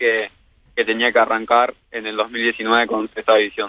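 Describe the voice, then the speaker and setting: A man is speaking. He goes at a fairly slow pace. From Argentina, Buenos Aires area. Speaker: footballer. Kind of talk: phone interview. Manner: halting.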